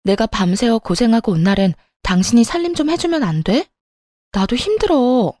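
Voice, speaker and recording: A woman's voice: a little high, animated, moderate pace, a little mellow, no echo, clean studio sound, lightly acted. A woman acting a worn-out, indignant wife. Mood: pleading. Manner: pleading then sharply indignant. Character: exhausted, indignant wife, an ER worker in her 30s.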